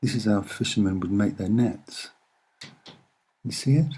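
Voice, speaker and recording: Man, mellow and slightly low voice, soft-spoken, hesitant amateur presenter, explaining pictures step by step. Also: husky. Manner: soft-spoken, hesitant and deliberate, with short phrases. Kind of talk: unscripted soft-spoken commentary over images.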